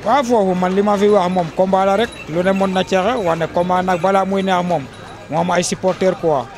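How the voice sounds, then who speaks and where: A man's voice: high voice, steady tone, brisk, crowd noise. A young Senegalese man giving his opinion in a street interview, speaking steadily and repeating his point. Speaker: local resident interviewee. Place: outdoors by a wall. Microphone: handheld reporter mics held close.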